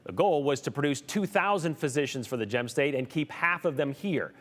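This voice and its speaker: A male news reporter narrates a story with a lively, animated pitch that runs somewhat high. His voice carries a long reverb tail. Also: a little fast.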